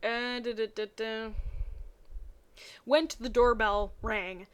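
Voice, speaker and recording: A woman's voice: a little high, fairly even intonation, takes it slowly, clean tone. A woman reading a story aloud dramatically, breaking off for playful, mocking asides. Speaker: reader of fan fiction.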